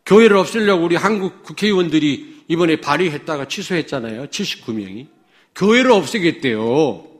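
Man, pastor, sermon, emphatic, from Chungcheong, slightly high voice, rhetorical questions. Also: expressive, brisk. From Chungcheong, South Korea. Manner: emphatic, swings between loud declarations and low asides to the congregation.

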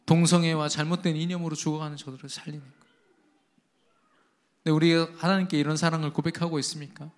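A man preaching a sermon, emphatic, rising to strong exhortations and dropping low again, with quoted dialogue in his stories. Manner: tells a family anecdote with quoted dialogue.

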